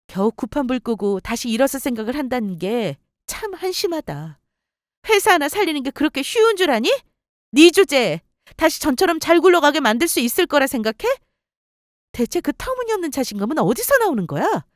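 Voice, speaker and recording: A woman voicing a composed wife who calmly mocks and scolds her husband in a story radio drama. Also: sits high, fairly quick, dry recording, clean studio sound, voice pushed up. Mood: cold. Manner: cool, mocking, composed. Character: calm, cutting wife who takes over company. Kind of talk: story radio role-play.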